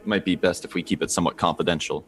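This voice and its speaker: Guy playing low-voiced earnest adventurer, formal and halting. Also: steady tone, soft background music, close to an everyday voice. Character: solemn adult male survivor adventurer.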